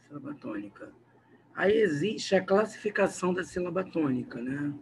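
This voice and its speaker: Man, Brazilian accent, high-pitched, patient teacher, video lesson, faint background noise. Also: lively intonation, moderate pace. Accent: Brazilian Portuguese. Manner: explains patiently, checks in with "né?" and "olha só". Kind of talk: recorded grammar video lesson.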